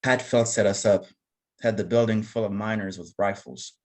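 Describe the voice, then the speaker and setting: A man acts out a defeated detective in a period crime drama. His voice sits fairly low, and he reports in short, grim, bitter phrases. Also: steady tone, normal speed, lightly acted. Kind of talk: screenplay table read.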